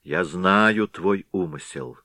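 A man's voice: sits low, slow, pushed and bright, no room sound, exaggerated voice. Man as angry village woman in a storybook reading, scolding and accusing, dry recording. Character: angry sharp-tongued village woman, the head's sister-in-law. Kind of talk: audiobook reading.

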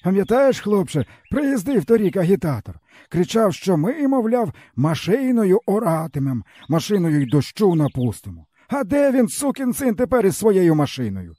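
A man performing a worn-out, starving old peasant, his voice pitched up high and lamenting in a sighing, plaintive drawl. The pitch swings widely through each complaint, with a mellow tone and a dry, close sound. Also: very animated, moderate pace, breathy edge, no room sound, full character voice. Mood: wry. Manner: plaintive, sighing, folksy rural speech. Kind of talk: audiobook character voice.

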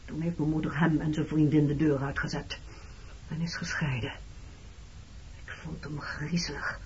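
A woman's voice: low voice, flat delivery, moderate pace, a little mellow, a little hiss or hum, close to an everyday voice. An actress playing a wounded, reproachful married woman in a Dutch radio play, speaking frankly about her past. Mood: confiding, fearful. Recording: dull, muffled old radio recording.

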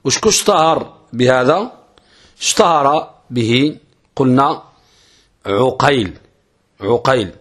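This man's voice sits in the middle range, expressive and a bit bright with a slight roughness. As a sheikh giving an Arabic grammar lesson, he works through each step, asks himself questions and then answers them, chanting verse at a slow pace.

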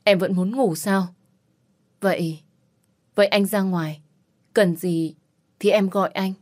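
A woman's voice: mid-range voice, steady tone, measured pace, no room sound, clean studio sound, natural voice. A woman voicing a timid, hesitant young man. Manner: hesitant, soft-spoken.

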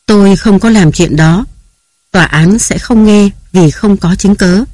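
A man's voice: sits high, unhurried, a little mellow, dry recording, clean studio sound. A man reading aloud who voices a frightened young wife, tearful and pleading. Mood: defiant.

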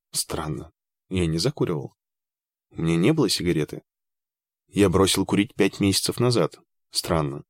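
A man narrating a first-person audiobook in an even, measured way with dry understatement. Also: sits low, no echo.

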